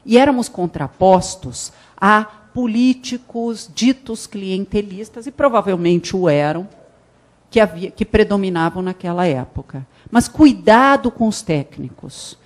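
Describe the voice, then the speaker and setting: A middle-aged woman from Brazil giving a conference talk on a handheld mic, animated, with frequent restarts and emphatic rises. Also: mid-range voice, measured pace. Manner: animated, gestures while speaking, many restarts and emphatic rises. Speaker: conference panelist. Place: conference hall with a panel table.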